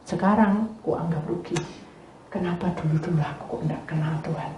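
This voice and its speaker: A woman pastor, giving an animated sermon that tells a story and puts questions to the congregation. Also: on the low side, a little fast, highs cut off. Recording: echoey room with faint noise.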